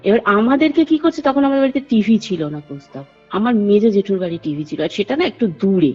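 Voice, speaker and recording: A woman's voice: mid-range voice, big pitch swings, brisk. A woman, calling in to tell a true ghost story in a rambling, earnest way and often addressing the host. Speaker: caller sharing a personal story. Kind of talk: telling a true ghost story over the phone. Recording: dull lo-fi phone call with faint music.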